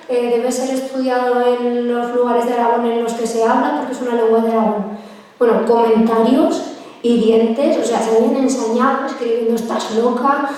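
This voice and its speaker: A woman's voice: a little high, a little mellow. A woman in her twenties from Aragon, giving a chatty talk and mini language lesson with many fillers and restarts. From Aragon, Spain. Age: 20s. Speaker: guest speaker teaching a minority language. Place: lecture room. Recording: echoey hall, distant from the mic.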